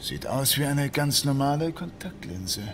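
A man's voice: medium pitch, animated, unhurried, slight background noise, natural voice. An actor playing an idealistic young male police inspector, speaking earnestly and insistently in a German audio drama. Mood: curious, businesslike. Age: young adult.

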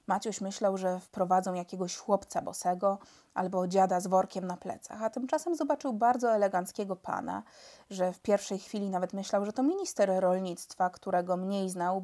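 A woman reading a children's book aloud as a storyteller, steady and expressive. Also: medium pitch.

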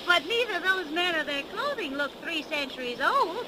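Young niece: very high, animated, sceptical; 1930s radio drama with heavy noise. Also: female voice, normal speed. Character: young woman, sailor's niece, sceptical and excitable. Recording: very noisy 1930s radio broadcast.

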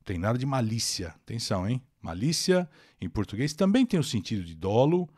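A man's voice: mid-range voice, sing-song, a little fast, darkish tone, breathy edge, dry recording, studio quality. A Brazilian man with a Brazilian accent teaching English in a live online lesson, reading text aloud, explaining it and answering viewers as he goes. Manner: reads English text aloud, then translates.

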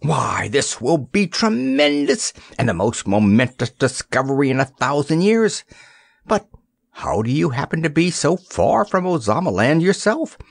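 A man voicing a stern, excitable old sea captain and explorer who speaks loudly, in a storybook reading. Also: fairly high pitch, unhurried, vocal fry, no echo, studio quality, pitched above the performer's own voice, heavily acted. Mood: excited.

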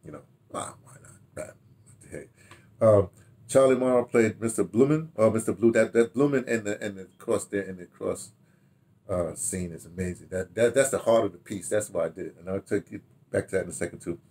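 An American man in his sixties reminisces casually in a rambling, halting way, repeating words and throwing in animated asides, recorded in a home study. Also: fairly low pitch. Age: 60s. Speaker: radio drama director telling his history. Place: small home study, indoors.

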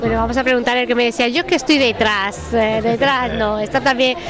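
Brief: chatty female TV host, high voice, loud band and crowd behind. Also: steady tone, fast. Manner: chatty, prompting questions, frequent "¿no?" tags. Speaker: TV show host. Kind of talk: on-location TV interview. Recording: live music and crowd behind.

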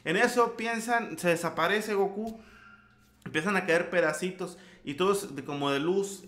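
Excitable man with a Mexican accent. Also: high voice. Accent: Mexican Spanish. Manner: slangy, excitable, makes sound effects. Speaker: anime recap YouTuber. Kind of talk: excited casual recap. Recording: roomy echo.

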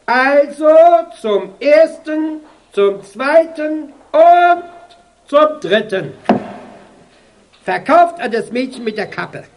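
An actress playing a formal female auctioneer in an audio drama, calling out lots and bids in a measured, drawn-out way. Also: high-pitched, lively intonation, a little hiss or hum. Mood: encouraging, formal. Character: brisk, formal female auctioneer running an estate sale.

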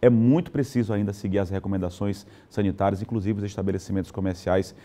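Low, mellow-voiced male news anchor. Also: fairly even intonation, fast talker. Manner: conversational, ad-libbed, with fillers. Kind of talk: live morning news presenting. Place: TV news studio.

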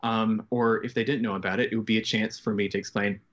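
A man in his twenties from Canada and Japan, talking reflectively and haltingly as a guest in a casual interview. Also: fairly low pitch, flat delivery. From grew up in Japan, Canadian. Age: 20s. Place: bedroom at home. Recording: slightly dull, band-limited video call.

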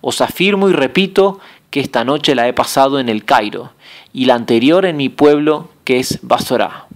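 Male narrator playing a young storybook hero, bewildered and indignant, pleading questions, pitched up. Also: lively intonation, normal speed, close to an everyday voice. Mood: insistent.

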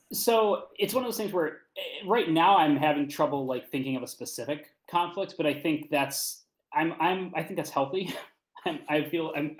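A man thinking aloud haltingly as a panelist in a casual discussion, on a roomy-sounding video call. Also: a little high. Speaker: panelist, podcast writer.

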